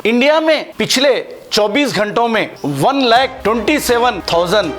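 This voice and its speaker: A man's voice: very high voice, animated, moderate pace, a bit bright. A man presenting a news bulletin and adding his own remarks. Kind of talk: news bulletin reading with personal asides. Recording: music bed under the voice. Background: music.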